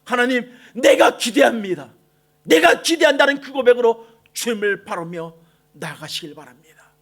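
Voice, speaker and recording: A male pastor giving a dawn-prayer sermon, moving between quiet passages and shouted, drawn-out lines. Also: very high voice, big pitch swings. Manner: swings between soft and shouted lines, quoting God with slow emphasis. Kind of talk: impassioned sermon.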